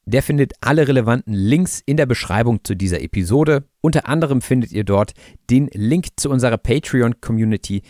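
A man hosting a language podcast, calmly and clearly explaining the meaning of words to learners. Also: mid-range voice, no room sound, studio quality. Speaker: podcast host and language teacher.

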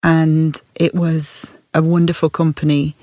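Low-voiced Birmingham woman, reflective. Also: level tone, measured pace, dark tone, no echo, studio quality. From English Midlands. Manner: storytelling, thoughtful, laughs often. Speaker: podcast guest. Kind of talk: candid reflective conversation.

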